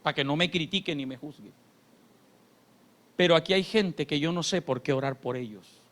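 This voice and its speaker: Impassioned coastal pastor preaching. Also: male voice, a little high, moderate pace. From Colombia. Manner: impassioned preaching that swings from shouting to quiet, confiding talk. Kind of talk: sermon. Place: church sanctuary.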